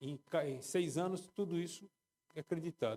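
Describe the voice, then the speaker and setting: His voice is pitched high for a man. The pitch moves up and down in an ordinary way. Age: 70s. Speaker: anesthesiology professor. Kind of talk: panel talk. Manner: animated.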